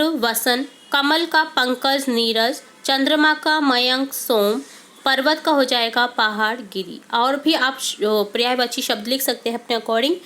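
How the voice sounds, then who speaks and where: A woman teacher who walks through workbook answers step by step, reading each answer aloud slowly. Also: high voice, pushed and bright.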